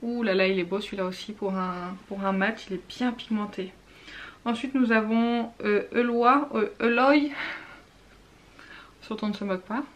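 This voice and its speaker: A woman's voice: mid-range voice, steady tone, fairly quick. A woman chatting casually as she swatches makeup, gushing and sometimes dropping to a whisper. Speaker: beauty vlogger.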